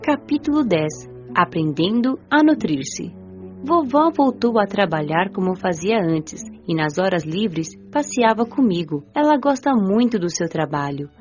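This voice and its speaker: A woman's voice: medium pitch, animated, unhurried, a little mellow. A woman with a Brazilian accent reading scripted first-person narration for an audiobook. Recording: muffled lo-fi audio with music.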